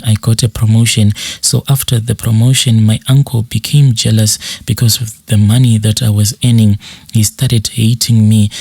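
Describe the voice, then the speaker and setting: A man's voice: fairly low pitch, creaky, dark tone, no room sound. A man with a South African accent hosting a channel and earnestly reading out a listener's life story as scripted narration.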